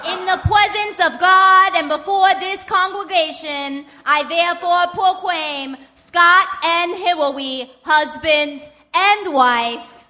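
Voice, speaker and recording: A woman's voice: extremely high pitch, takes it slowly, pushed and bright, exaggerated voice. A woman playing a solemn bishop in a comic radio play, intoning formally and ceremoniously.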